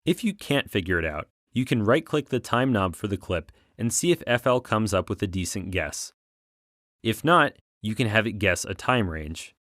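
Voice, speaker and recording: Low-voiced man narrating a tutorial. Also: animated, moderate pace, a bit bright, no room sound, studio quality. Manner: clear step-by-step explaining. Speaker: tutorial instructor. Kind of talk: scripted software tutorial narration.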